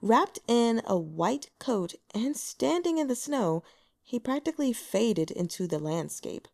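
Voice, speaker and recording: Mellow woman reading an audiobook. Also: fairly high pitch, very animated, a little slow, vocal fry. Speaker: audiobook reader. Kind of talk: audiobook narration.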